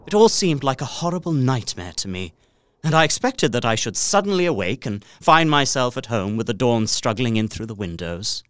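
A man's voice: mid-range voice, fairly bright tone, natural voice. An actor playing an earnest young solicitor, narrating his journey formally in a dramatised Gothic story. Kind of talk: dramatic first-person literary narration.

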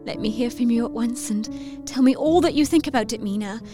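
A woman's voice: a little high, a little fast, close to an everyday voice. A young woman playing a lovestruck, confiding Victorian lady reading her letter in an audio drama, effusively. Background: music under the voice.

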